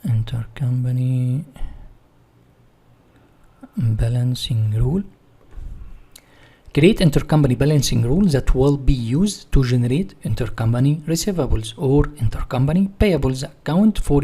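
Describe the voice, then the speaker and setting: A man who is a non-native English speaker giving an instructional software walkthrough, explaining step by step and posing questions that he then answers. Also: mid-range voice, expressive, a little slow, breathy edge. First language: not English. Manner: didactic, asks and answers own questions. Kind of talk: screen-share software walkthrough, part read from notes.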